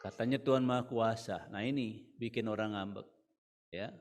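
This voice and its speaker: A man preaching a church sermon with an Indonesian accent, piling up rhetorical questions and swinging from loud to hushed. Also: lowish voice, steady tone, normal speed, slight background noise. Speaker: pastor. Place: church hall. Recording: church service with hall reverb.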